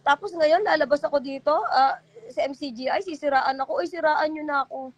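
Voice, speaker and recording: This middle-aged former church member speaks as a guest on an emotional call-in show, her voice high and brisk in a dry recording. Her talk wanders and comes from the heart, and she acts out what others told her in their own voices.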